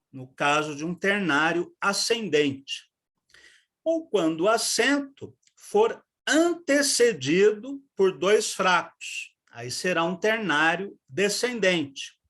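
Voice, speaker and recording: A poetry teacher with a Brazilian Portuguese accent talks through verse rhythm at a very unhurried pace. The pitch moves a lot, rising and falling as lines are recited and stresses are marked out. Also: a bit bright. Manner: slow, measured recitation with stressed syllables. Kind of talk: online class, reading poems aloud.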